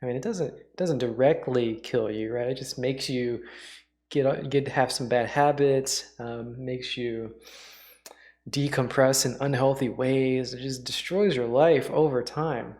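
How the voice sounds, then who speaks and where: A male host talks casually in a medium-pitched voice, as if thinking aloud. His commentary is unscripted and halting, musing as it goes. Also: fairly even intonation, darkish tone. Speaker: host, livestreamer reacting to radio dramas.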